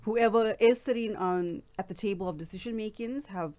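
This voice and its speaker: A woman's voice: mid-range voice, moderate pace, dark tone. A woman from Durban with an Indian South African accent, speaking earnestly as an influencer guest in a casual panel discussion. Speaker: influencer, guest on a radio show.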